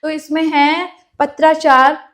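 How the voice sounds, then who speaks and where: In this classroom lecture, a woman prepares students for a clerk exam, going over terms by repeating them and answering her own questions. Her voice is high and level, slightly bright, and she speaks slowly.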